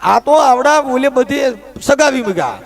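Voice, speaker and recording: A man's voice: very high voice, lively intonation, normal speed, gravelly, soft background music. A middle-aged man, telling a folk tale in a rustic, chatty way, full of comic asides. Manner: rustic, chatty, acts out quoted voices. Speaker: folk humorist.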